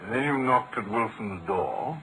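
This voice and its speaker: An actor playing an admiring, slightly puzzled British gentleman companion to a detective, hesitant and earnest, in old-time radio drama style. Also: fairly low pitch, lively intonation, moderate pace, noisy background. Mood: curious.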